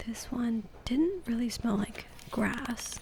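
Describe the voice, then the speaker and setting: With an American accent, a soft-spoken woman talks at a fairly high pitch over noticeable background noise. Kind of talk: ASMR video; casual talk to camera, ASMR-style.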